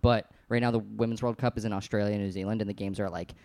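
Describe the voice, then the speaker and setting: Lower-voiced man, dry close sound. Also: steady tone, fast talker, darkish tone, no room sound. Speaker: podcast host. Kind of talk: casual chat.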